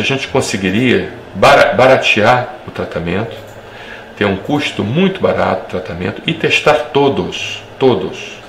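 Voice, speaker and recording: A gravelly, fairly low-voiced man, a doctor delivering an emphatic commentary to camera. He hammers his points home and repeats them in long lists. The room is echoey and has a faint background hiss. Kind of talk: impassioned video commentary.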